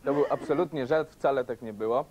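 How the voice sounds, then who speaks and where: A young male presenter in a TV studio with an audience, playful and joking as he tells a little story. His voice sits mid-pitch and moves easily. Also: fairly quick, a little mellow. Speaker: TV show presenter. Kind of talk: humorous presenting.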